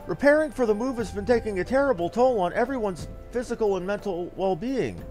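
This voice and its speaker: Guy doing a flustered bossy little lady from a game, high voice that bounces around a lot. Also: lively intonation, brisk, darkish tone, faint music behind. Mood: worried, earnest. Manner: fussy, gushing, exclaiming. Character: small, flustered, chatty, bossy young lady. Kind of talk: reading game dialogue aloud.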